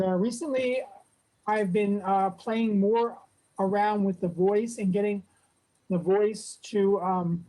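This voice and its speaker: Relaxed woman demoing over a video call. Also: medium pitch, poor audio. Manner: relaxed, with many fillers. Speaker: presenter at a robotics club meetup. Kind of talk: casual demo presentation.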